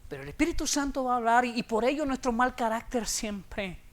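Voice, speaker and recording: A man with a Mexican Spanish accent preaching a sermon, swinging between loud emphatic declarations and low, confiding asides. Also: expressive, a little fast. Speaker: pastor. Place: church sanctuary.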